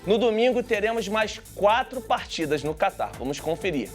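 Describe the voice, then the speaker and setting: A man's voice: high-pitched, sing-song, moderate pace, soft background music. A man reading sports news on a TV newscast, with chatty asides to the viewers. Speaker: sports reporter.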